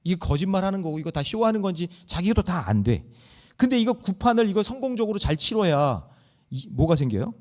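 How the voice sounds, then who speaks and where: A man's voice: high-pitched, sing-song, a little fast, darkish tone. A man preaching a sermon in church, acting out scenes and exhorting the congregation. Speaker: pastor. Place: church sanctuary.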